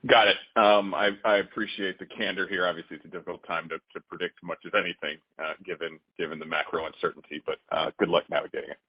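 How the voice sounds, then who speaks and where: A man's voice: low-pitched, fairly even intonation, fast, hardly any pauses, slightly rough. A man speaking as a financial analyst on a conference call, phrasing his questions tentatively. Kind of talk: asking questions on earnings call. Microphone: conference call line. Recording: dull conference call line.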